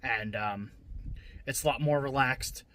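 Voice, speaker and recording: A man's voice: medium pitch, measured pace, sharp tone, slight background noise. A man talking casually on his vlog, blunt and venting, swearing freely and restarting his sentences often. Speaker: scrap-metal vlogger. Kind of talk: casual rambling vlog talk.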